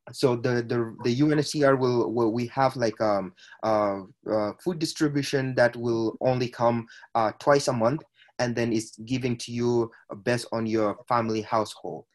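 A man, a podcast guest recounting his life in a hesitant way, with frequent filler sounds and restarts. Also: medium pitch. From Ethiopia. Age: 20s. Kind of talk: personal storytelling in conversation.

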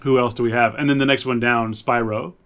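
A man's voice: mid-range voice, fairly even intonation, fairly quick, fairly bright tone. Man casually hosting a podcast chat. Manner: reads out listener suggestions and reacts. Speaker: podcast host. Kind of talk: casual chat about games and films.

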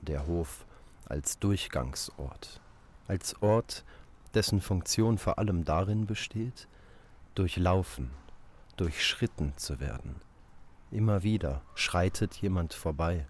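A man narrating a scripted literary text for an audio play in a deliberate, repetitive manner. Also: deep voice, animated.

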